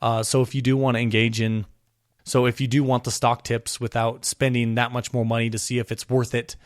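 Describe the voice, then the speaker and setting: A man's voice: level tone, brisk, dry recording, clean studio sound. Fired-up man ranting on his podcast. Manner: impassioned ranting, pitch climbing when worked up. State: slightly hoarse from a cold. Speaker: podcast host. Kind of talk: solo podcast commentary.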